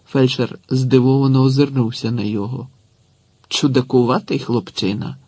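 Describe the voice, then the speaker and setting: A man reading a literary story aloud in an expressive audiobook narration. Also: medium pitch, moderate pace, breathy edge, no room sound.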